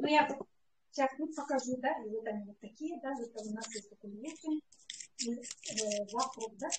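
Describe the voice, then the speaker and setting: Her loudness shifts in big swings while her pitch varies in an ordinary way. This woman has a high pitch and speaks at a moderate pace. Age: 60s. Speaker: product distributor presenting at a sales event. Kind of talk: product presentation with personal testimony. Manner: halting, many fillers.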